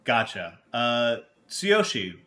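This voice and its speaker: Bright, forceful man running a tabletop game. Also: medium pitch, very animated. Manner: halting, rambling, informal. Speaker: game master. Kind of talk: casual tabletop game narration.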